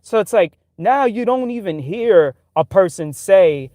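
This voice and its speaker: A man's voice: sits high, expressive, a little slow, warm tone, no room sound, clean studio sound. A man talking casually in a livestream, giving his opinions in loose street talk full of "like" and "right?". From New York City.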